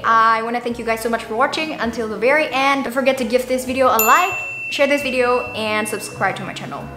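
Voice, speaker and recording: A woman's voice: on the high side, a bit bright. A young woman from Indonesia, talking casually and chattily to her viewers as a vlogger. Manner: informal, chatty, with frequent "like" and small giggles. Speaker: YouTube vlogger. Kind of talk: casual talk to camera. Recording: roomy echo, music behind the voice. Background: background music.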